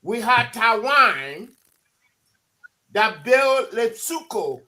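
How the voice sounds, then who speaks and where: Very high, very animated, and bright, his forceful voice stretches out words as he argues on a live radio debate. He's a guest from Maryland County, Liberia, with a Liberian English accent, repeating himself to hold the floor, and the studio audio is poor.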